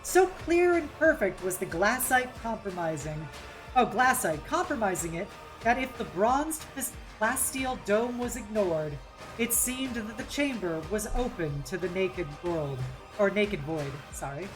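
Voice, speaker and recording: A woman narrating a novel aloud on a live read-along, in a measured, theatrical storytelling style. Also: mid-range voice, animated, over music, low-quality recording. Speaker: streamer reading aloud.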